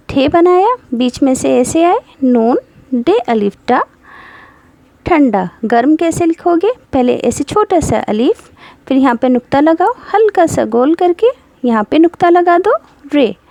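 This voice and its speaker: A woman teacher, slow and patient, spelling out letters one by one for children in a writing lesson. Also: high voice, mellow, no room sound. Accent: Hindi-speaking North Indian.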